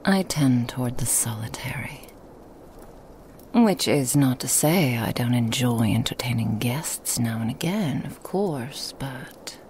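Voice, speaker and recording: A woman plays a sly, menacing Christmas demoness who whispers close to the mic, teasing and insinuating. Her voice is extremely deep and gravelly, and she drawls slowly. It is a dark, unhurried ASMR roleplay. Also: slight background noise, heavily acted.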